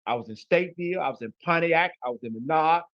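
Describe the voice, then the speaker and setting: Man, Chicago accent, blunt, emphatic, street slang, slightly high, dry lo-fi sound. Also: fast talker, dry recording. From Chicago, USA. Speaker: guest. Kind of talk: casual interview talk.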